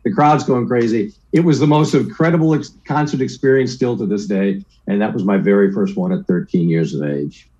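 Mellow-voiced older man telling stories. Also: fairly low pitch, fairly quick, muffled recording. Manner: lively anecdotes, acts out quoted voices, keeps asking "right?". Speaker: guest, sports broadcaster. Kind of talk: casual storytelling interview.

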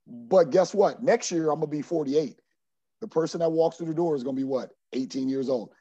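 A man in his forties with a dark, mellow voice talks earnestly as a coach on a podcast. He restarts and repeats words while he gathers his thoughts. The audio is dry and a little muffled. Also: a little high, a little fast, breathy edge, dry recording. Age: 40s. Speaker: junior college basketball coach. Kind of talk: podcast interview answer.

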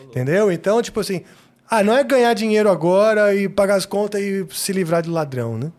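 Podcast co-host, man with a somewhat high voice, reflective, talks things through out loud. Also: animated. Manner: thoughtful, fills pauses with "né". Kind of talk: casual chat.

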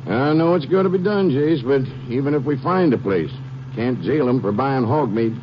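A man's voice: medium pitch, expressive, moderate pace, natural voice. A man playing a plainspoken rural Texas sheriff in a 1950s radio drama, talking in clipped, colloquial sentences. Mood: concerned. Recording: noisy, muffled old radio recording.

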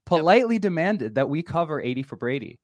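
A man's voice: fairly high pitch, fast, no echo. A man hosting a casual podcast with a playful manner and frequent laughter. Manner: animated, laughs often, playful. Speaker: podcast host.

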